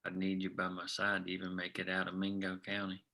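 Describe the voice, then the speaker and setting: A man's voice: sits low, monotone, brisk, creaky, sharp tone, heavily acted. A man playing an earnest, self-doubting labor leader and husband in a script table read. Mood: earnest, tender.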